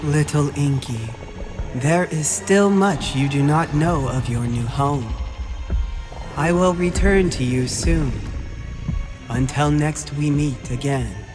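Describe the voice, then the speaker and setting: A man's voice: on the high side, takes it slowly, over music, voice pushed up. A man voicing an ancient, wise and protective monster queen with a stately, solemn and formal manner. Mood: grave, regal.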